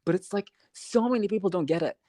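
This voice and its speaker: A young adult podcast co-host gushes about a show in loose, emotional chat, swearing freely. The recording is dry and close, with no room sound. The voice sits at a middling pitch. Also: quick pace, warm tone, no echo.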